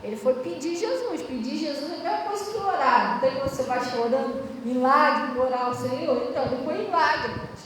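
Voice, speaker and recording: Brazilian woman pastor, high voice, chatty sermon, echoey church hall heard from a distance with room noise. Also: fast talker, few pauses, fairly bright tone. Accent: Brazilian Portuguese. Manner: conversational preaching, keeps asking the congregation if they understand.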